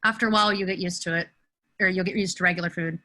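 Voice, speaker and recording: A woman playing an awkward, excitable, friendly teenage boy in a virtual table read. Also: lowish voice, racing. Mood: chatty, friendly.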